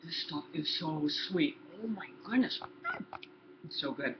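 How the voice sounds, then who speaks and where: A woman's voice: deep voice, expressive, unhurried. A woman in her sixties giving a chatty home cooking demonstration in her kitchen, explaining each step to the viewer. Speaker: cooking instructor. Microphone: laptop built-in mic. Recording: roomy, dull lo-fi laptop sound with background noise.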